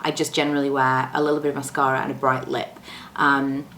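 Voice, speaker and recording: A young woman doing a chatty, self-deprecating makeup tutorial at home, her voice a little low from a coming cold, speaking close to the camera. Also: level tone, quick pace, fairly bright tone, echoey room, slight background noise. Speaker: beauty vlogger. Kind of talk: casual makeup tutorial chat. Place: room at home, indoors. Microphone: camera close to the face.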